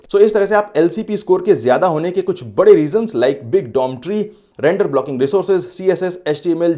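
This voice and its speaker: A man's voice: fairly high pitch, warm tone. A man hosting a web tutorial, explaining step by step with everyday analogies and dropping English phrases into his Hindi. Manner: clear, instructive delivery with brief filler pauses. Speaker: tutorial host. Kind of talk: scripted screen-recorded tutorial.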